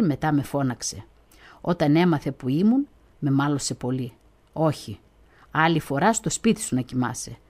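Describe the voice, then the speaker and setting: A woman with a somewhat low voice reads a first-person remembrance as a radio host. Her delivery is gentle and measured, like careful storytelling. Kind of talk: scripted reading of a first-person testimony.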